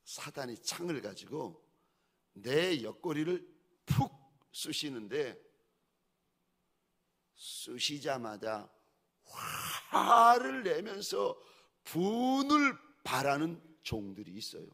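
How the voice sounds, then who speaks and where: A man preaching a sermon as a pastor, swinging between hushed pleading and loud exhortation, with repeated rhetorical questions to the congregation. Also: medium pitch, very animated, slow pace, pauses often.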